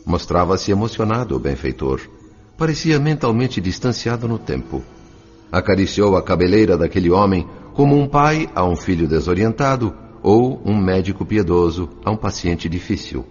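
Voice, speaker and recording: An actor playing an earnest, reverent spirit apprentice who narrates a radio drama in formal, literary language. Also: male voice, low-pitched, sing-song, normal speed, in a large hall, dull audio, faint music behind.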